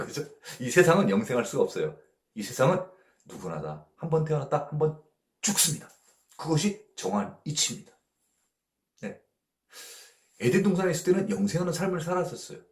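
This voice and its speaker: A male pastor teaches a Bible study in a relaxed, conversational way. He often checks in with his listeners through short tag questions and chuckles lightly between points. His pitch swings widely, and the recording carries a noticeable room echo.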